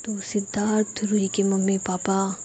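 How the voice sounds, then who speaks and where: Young female storyteller, hushed and mellow, casual narration. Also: mid-range voice, completely flat delivery, a little slow, slight background noise. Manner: soft, hushed, half-whispered.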